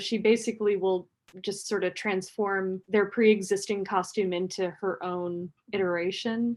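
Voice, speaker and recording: The speaker is soft-spoken and talks at a fairly slow pace. The intonation stays fairly even. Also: woman. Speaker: cosplay costume maker. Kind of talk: interview.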